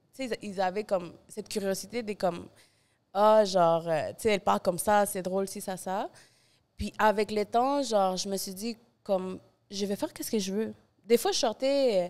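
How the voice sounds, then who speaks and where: A woman speaks at a moderate pace with ordinary pitch variation and big swings in loudness. The recording is very clean, with a silent background. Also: medium pitch for a woman. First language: Spanish (speaking French). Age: 20s. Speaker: restaurant owner, entrepreneur. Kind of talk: casual chat.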